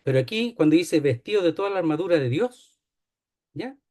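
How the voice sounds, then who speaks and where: A man's voice: on the high side, animated, brisk, mellow. A man teaching a Bible study, explaining a passage and often checking in with "¿ya?". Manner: explanatory, repeats key phrases, asks "¿ya?".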